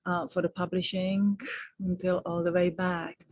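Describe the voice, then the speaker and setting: A middle-aged woman talks gently and affectionately, offering spiritual guidance to her viewers. Her voice sits a little low and has a soft, breathy edge. The sound is dry and close, with no room around it. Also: little pitch movement, moderate pace, no echo. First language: Czech. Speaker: spiritual teacher and author.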